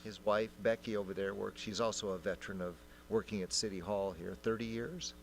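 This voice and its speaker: A man's voice: on the low side, steady tone, a little fast, creaky, a little hiss or hum. A man, a council member, giving a heartfelt, informal tribute to a veteran at a city council meeting. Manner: warm, informal storytelling.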